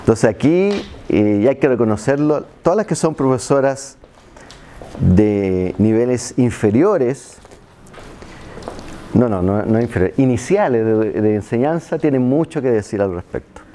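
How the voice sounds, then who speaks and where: Man lecturing a class, mellow. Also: mid-range voice, lively intonation, measured pace, a little hiss or hum. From Chile. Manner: conversational, asks "¿ya?" after nearly every point, self-deprecating asides. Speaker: university lecturer. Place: seminar room with projector and seated students. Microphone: handheld microphone, filmed by far camera.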